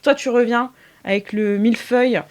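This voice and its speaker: A woman's voice: fairly high pitch, steady tone, normal speed. A woman running an improvised tabletop game as game master, narrating casually and hesitantly in a studio. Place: recording studio. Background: music.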